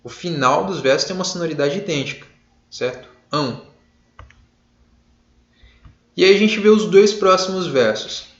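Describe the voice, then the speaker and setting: A man's voice: high-pitched, a little fast. Brazilian male teacher, laid-back lecture, echoey room, muffled lo-fi mic. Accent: Brazilian Portuguese. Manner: casual, many fillers, checks in with "beleza?"; jokey shouted examples. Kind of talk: online class lecture. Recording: roomy, dull lo-fi sound.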